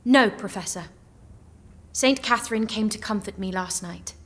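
A woman portrays a young, saintly peasant girl with unshakable faith. Her voice is mid-pitched for a woman, earnest and serene. It is historical audio drama acting, sure and devout. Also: moderate pace, natural voice. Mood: serene conviction.

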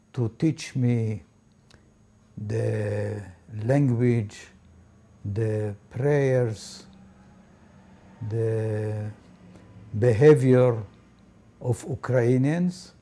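Very slow, dark-voiced older man. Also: mid-range voice, gravelly. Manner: slow, hesitant, full of pauses and fillers. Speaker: interviewee. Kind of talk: recounting memories in an interview. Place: indoor study with bookshelves.

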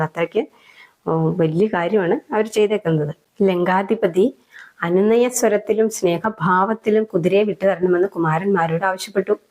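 A woman with a fairly low voice retells an old devotional epic. She speaks in unhurried, reflective short phrases and drops in soft fillers as she goes. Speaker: storyteller.

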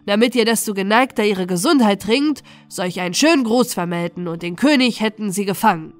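A woman's voice: mid-range voice, lively intonation, fairly quick, close to an everyday voice. A woman voicing a sturdy, cheeky male butcher in a storybook, forthright and fond of proposing toasts. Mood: bold, mischievous. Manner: forthright, convivial, declamatory. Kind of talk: storybook character voice in an audiobook.

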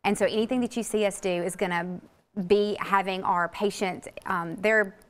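A woman's voice: medium pitch, fairly even intonation, moderate pace. A woman in her thirties, a marketing director guesting on a local TV show, bubbly and emphatic, on a lapel mic. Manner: bubbly, emphatic, laughs easily. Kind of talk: TV interview guest. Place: TV studio set, seated in armchair.

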